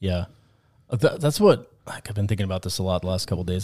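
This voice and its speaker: This is a man with a very deep, low voice. The recording is very clean, with a silent background. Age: middle-aged. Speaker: podcast host, retired police officer. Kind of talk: casual interview chat. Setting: studio.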